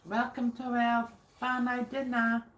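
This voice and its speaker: A woman, chatting at a family dinner table and gently prompting a child what to say. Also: fairly high pitch, monotone, measured pace. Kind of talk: casual family chat. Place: home dinner table, indoors. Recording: roomy, distant, noisy home video.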